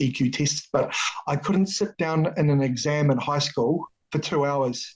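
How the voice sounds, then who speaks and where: A man with a New Zealand accent speaks at a fairly slow pace, his voice somewhat breathy. His pitch is fairly high, with ordinary pitch variation. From New Zealand, Auckland. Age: 40s. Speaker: technical writer and agile project manager. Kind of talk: interview. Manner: halting.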